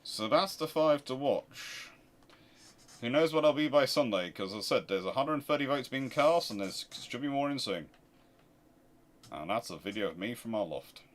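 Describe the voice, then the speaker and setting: A man's voice: medium pitch, expressive, moderate pace. Emphatic man talking casually live. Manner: emphatic, argues through rhetorical questions. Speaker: host of a naval history channel. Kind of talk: casual live question-and-answer talk.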